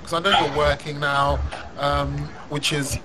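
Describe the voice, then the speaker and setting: Male host, higher voice, rambling; noisy recording. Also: little pitch movement, unhurried. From London. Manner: rambling, many restarts and "you know"s. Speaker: podcast host. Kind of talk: casual interview. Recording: loud background noise.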